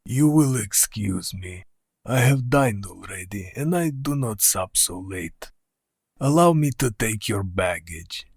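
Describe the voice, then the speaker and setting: A man as Count Dracula, gravelly and slow. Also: on the low side, animated, no echo, studio quality, full character voice. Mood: hospitable. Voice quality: gravelly, husky, slow and deliberate. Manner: formal, old-fashioned, boastful speech. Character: ancient courtly male vampire count, proud and menacing. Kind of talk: radio play acting.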